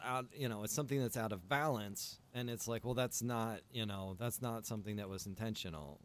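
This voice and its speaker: A man's voice: mid-range voice, clean tone. Rambling, informal man streaming a game. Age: adult, past early twenties. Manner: rambling, informal, circles back and repeats phrases. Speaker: game streamer and server owner. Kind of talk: casual livestream chat while gaming.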